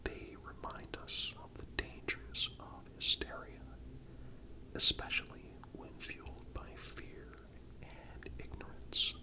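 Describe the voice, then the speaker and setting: Casting: ASMR narrator, fully whispered, breathy, calm and deliberate scripted delivery. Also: low-quality recording. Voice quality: breathy unvoiced whisper throughout. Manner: calm, measured, deliberate phrasing. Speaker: narrator and channel host.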